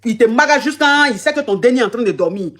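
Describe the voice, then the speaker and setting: A woman's voice: fairly high pitch, animated, quick pace. A woman giving advice to a caller as a coach, emphatic and repeating words as she talks. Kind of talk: live call-in advice chat.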